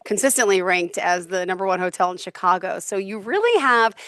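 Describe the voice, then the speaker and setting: Lady host doing a chatty interview show, medium pitch, no room echo. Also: expressive, a little fast, fairly bright tone, studio quality. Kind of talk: conversational hosting.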